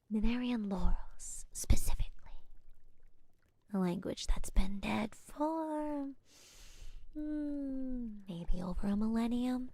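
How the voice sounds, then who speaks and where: A woman playing a calm, curious scholarly witch in a soft-spoken ASMR roleplay, breathy and mostly whispered, with measured phrasing and thoughtful pauses. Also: fairly high pitch, no echo, full character voice. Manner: slow, measured, pausing with thoughtful hums.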